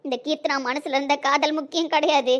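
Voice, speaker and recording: A woman's voice: high-pitched, steady tone, a little fast, natural voice. A woman voicing a young woman desperately in love, pleading and repeating herself in an emotional audio drama. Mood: reproachful. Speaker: lead character in an audio drama.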